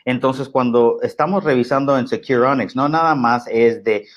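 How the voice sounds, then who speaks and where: A man with a Mexican Spanish accent, explaining security in a webinar talk, halting and full of fillers and restarts. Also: mid-range voice. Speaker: guest security expert.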